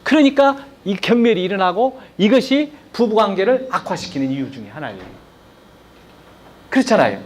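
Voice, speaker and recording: Korean guy lecturing a crowd, high voice that jumps around a lot, keeps asking the room questions. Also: moderate pace. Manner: lively, questions the audience, acts out example lines. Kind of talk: live lecture to an audience.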